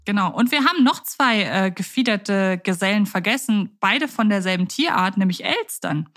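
A woman co-hosting a podcast. She talks in a chatty, lively way and laughs easily. Her voice sits in a middle pitch. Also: moderate pace. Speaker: podcast co-host. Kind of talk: casual chat about radio plays.

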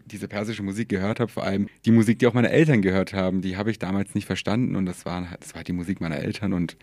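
A man in his twenties, a podcast guest from Germany, talking in a relaxed, hesitant way with many fillers and easy laughter. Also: low voice, no echo. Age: 20s. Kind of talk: casual conversation.

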